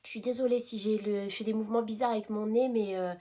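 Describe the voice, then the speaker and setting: A woman's voice: fairly high pitch, fairly even intonation, fast, warm tone. A woman with a French accent, chatting casually to camera about her hobby, hesitant with many fillers and restarts, her nose tickled by pollen. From France. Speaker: cross-stitch vlogger.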